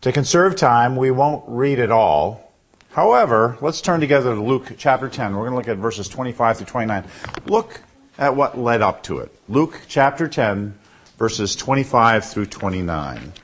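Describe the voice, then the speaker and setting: A man preaching a sermon in a church, asking the congregation questions as he goes, with a husky baritone voice. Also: lively intonation, moderate pace, a little hiss or hum. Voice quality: husky with a cough. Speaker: pastor. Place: church sanctuary.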